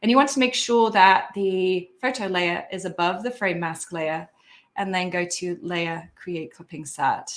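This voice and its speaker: Low-voiced woman demoing photo art software. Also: unhurried. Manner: chatty, sentimental, talks a lot. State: losing her voice. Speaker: guest instructor. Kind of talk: software tutorial demonstration. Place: home office.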